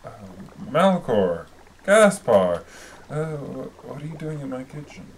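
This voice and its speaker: A man's voice: mid-range voice, very animated, a little slow, a little hiss or hum. An actor playing a flustered, weary man who stammers and answers with dry sarcasm.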